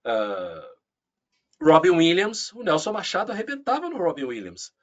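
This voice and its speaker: A man with a Brazilian Portuguese accent, a voice actor chatting casually as an interview guest, animated and full of asides. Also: fairly high pitch, normal speed. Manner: animated, frequent fillers and asides.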